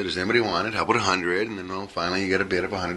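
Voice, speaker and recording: Through noticeable background noise comes a man's voice with a very deep, low pitch. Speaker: auctioneer. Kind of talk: interview answer about his work. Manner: conversational.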